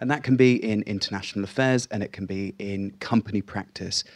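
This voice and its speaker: This man has an unremarkable speaking voice at a fairly low pitch. He talks at a fairly quick pace. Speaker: magazine editor. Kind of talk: panel discussion. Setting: panel event with audience.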